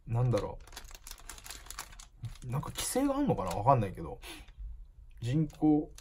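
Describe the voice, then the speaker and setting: A man's voice: medium pitch, a little mellow. A man chatting casually as he unboxes a gift parcel, musing aloud and reading out the labels as the shop owner and channel host.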